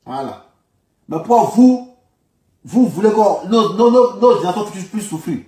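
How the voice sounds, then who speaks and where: An Ivorian man with an Ivorian French accent delivers informal political commentary, hammering his points and repeating phrases for emphasis. His high voice is expressive and slightly dark, at normal speed. Roomy echo; he sits away from the mic.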